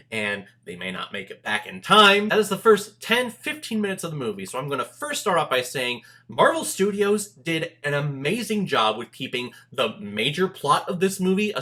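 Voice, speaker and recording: A man's voice: fairly high pitch, pushed and bright. A man hosting a casual movie review, talking straight to viewers in an emphatic, conversational, joking way.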